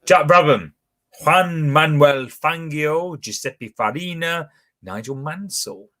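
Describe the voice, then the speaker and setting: A man's voice: a little high, slow, a bit bright. A man hosting a pub quiz from home, chatting casually as he reads out questions, answer options and team scores. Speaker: quiz host.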